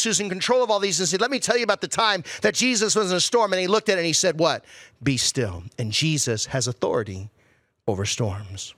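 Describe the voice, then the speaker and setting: Male pastor, high bright voice, conversational preaching, rhetorical questions, dry close sound. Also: dry recording. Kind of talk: sermon.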